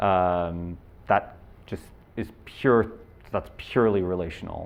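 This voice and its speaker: Here a man talks with an American accent. His pitch variation is ordinary. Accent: American accent, noticeable. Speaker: private equity professional. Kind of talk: panel discussion. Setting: room with audience. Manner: hesitant, many fillers.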